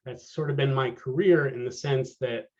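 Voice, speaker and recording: A man's voice: medium pitch, steady tone, moderate pace. Wry, rambling man in his fifties. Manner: wry and rambling, trails off quietly. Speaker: panel speaker, business manager. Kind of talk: casual panel talk over a video call. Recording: dull lo-fi call audio.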